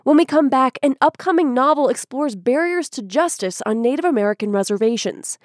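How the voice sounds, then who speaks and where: A woman with a fairly high voice hosts a public radio show. She speaks clearly and composedly. The studio sound is dry and close. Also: expressive, fairly quick, no room sound.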